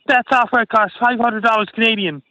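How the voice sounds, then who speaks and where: A man doing a shrill squeaky protester. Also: fairly even intonation, a little fast, bright, forceful tone, no echo, muffled recording. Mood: protesting. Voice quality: shrill, very high put-on voice.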